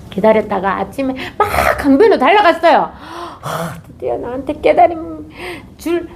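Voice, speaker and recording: A woman's voice: fairly high pitch, a little hiss or hum. A woman giving a dharma talk as a Zen teacher, telling a story and acting out its characters. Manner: animated, acts out characters.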